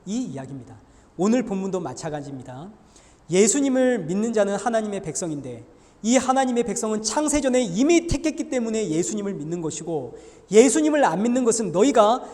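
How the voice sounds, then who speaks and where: A male pastor delivers a sermon with a fairly high voice, his delivery animated and rising in force when he acts out quoted voices. The sound carries a long reverb, as if it fills a large church sanctuary. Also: brisk. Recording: echoey church hall reverb.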